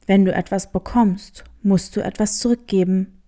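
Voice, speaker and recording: A woman's voice: medium pitch, fairly even intonation, normal speed, dark tone, voice pushed down, natural voice. A woman voicing a sly, boastful male black tomcat in a storybook, speaking in riddles. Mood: sly, cryptic. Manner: cryptic, boastful.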